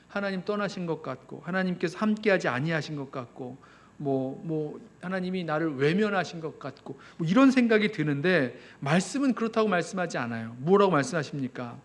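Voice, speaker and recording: Male pastor, higher-pitched voice, impassioned sermon at a prayer meeting, asks the congregation questions, pleads at his peaks. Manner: rises to impassioned pleading when voicing the psalmist; addresses congregation directly with rhetorical questions. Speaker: senior pastor. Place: church sanctuary.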